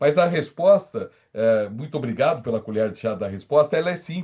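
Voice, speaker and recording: A man's dark, mellow, fairly high voice with vocal fry, at a moderate pace, with very wide pitch swings and big swings in loudness. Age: 70s. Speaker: economics professor. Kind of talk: lecture Q&A.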